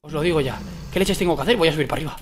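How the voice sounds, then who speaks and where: A man with a Spain Spanish accent gives excited gameplay commentary, swinging from muttering to loud shouts. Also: fairly high pitch, rapid-fire, heavy background noise. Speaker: gaming video creator.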